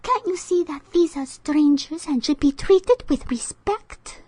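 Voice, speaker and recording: A woman's voice: sits high, animated, a little slow, a little mellow, no room sound, pitched above the performer's own voice. A woman voicing a timid, prim young china princess in a storybook reading, speaking delicately.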